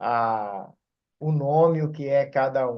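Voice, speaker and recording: A man is speaking. The background is quiet. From interior of Rio Grande do Sul, Brazil. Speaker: church member sharing at Bible study. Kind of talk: Bible study group discussion. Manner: hesitant, with fillers.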